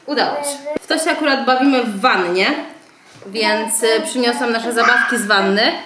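A lively, fairly high-pitched woman in her thirties demonstrates speech games at home, breaking into sing-song syllables for her toddlers. The room is echoey and there is noticeable background noise. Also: moderate pace. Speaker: vlogger and mother. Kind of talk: casual vlog demonstration.

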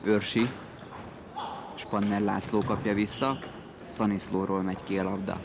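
Low-voiced man commentating on indoor football. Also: little pitch movement, creaky, crowd noise. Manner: terse play-by-play, calling out player names. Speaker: sports commentator. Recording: noisy gym recording, ball bounces behind. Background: indoor sports hall with bouncing ball.

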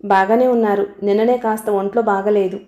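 A woman's voice: mid-range voice, fairly even intonation, fairly quick, mellow, natural voice. A woman reading the part of an eager, devoted young man who talks in a pleading, earnest way.

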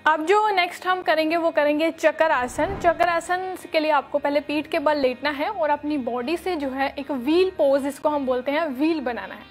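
A young woman teaching yoga in a studio, giving calm step-by-step instructions with many fillers, on a lapel mic. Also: high-pitched, moderate pace, hardly any pauses, faint music behind. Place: studio with red floor and dark curtains.

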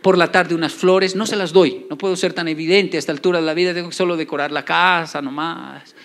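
Guy, middle-aged, high voice, joking motivational talk, acts stuff out. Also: a little fast. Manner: animated, joking, acts out dialogues. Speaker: motivational speaker. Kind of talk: humorous public talk.

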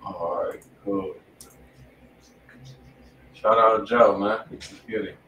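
An American man co-hosts a live music review in casual, profane slang. His voice is low and quite monotone. The sound is roomy and noisy, picked up away from the mic. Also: slow, far from the mic, highs cut off. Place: indoor room, live stream.

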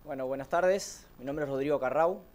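A man from Brazil of Uruguayan family with a Uruguayan Spanish accent touched by Portuguese, giving a relaxed conference talk from a podium with many "este" fillers. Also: mid-range voice, fairly quick. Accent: Uruguayan Spanish with Brazilian influence. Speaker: conference speaker, electric mobility manager. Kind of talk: conference presentation. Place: large conference hall, speaking at a podium. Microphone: podium microphone, filmed from far.

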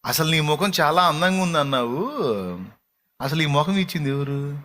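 A pastor delivers a sermon in a fairly high male voice, chatting with his listeners through a stream of rhetorical questions. He drops to quiet, low asides and then lifts into raised, pleading cries. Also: moderate pace. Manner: conversational, full of rhetorical questions; swings between soft, low asides and raised, pleading exclamations.

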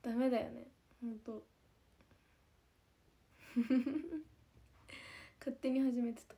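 Young female idol, casual chatty talk, higher mellow voice, giggly and repetitive. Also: slow pace. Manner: chatty, giggly, repeats herself a lot. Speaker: idol group member. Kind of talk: casual chat to viewers.

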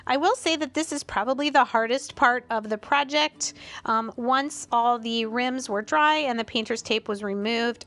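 A middle-aged woman narrating a home craft tutorial in a voice-over, calm and explanatory with small chatty asides. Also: on the high side.

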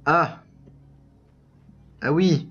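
A man's voice: on the high side, very slow, a bit bright, slightly rough, lo-fi sound. A man giving casual let's play commentary, breaking into exclamations and frustrated outbursts at a lagging game.

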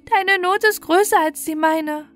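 A woman voicing a gentle, pitiful young child hero in a fairy tale, earnest and plaintive. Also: very high-pitched, a little slow, faint music behind, voice pushed up. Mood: compassionate. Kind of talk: fairy tale storybook reading.

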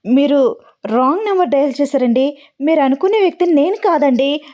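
A man's voice: very high-pitched, lively intonation, normal speed, a little mellow, voice pushed up. A woman voicing a flustered young man on the phone, politely insisting it is a wrong number. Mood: exasperated. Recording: dull lo-fi audio.

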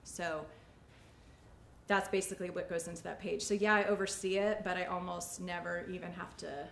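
A salon owner in her forties teaches during a demonstration, chatty and informal, in a lowish, gravelly, fairly bright voice with a steady tone at normal speed. She's in an indoor white-backdrop studio whose echoey room carries faint ambient noise.

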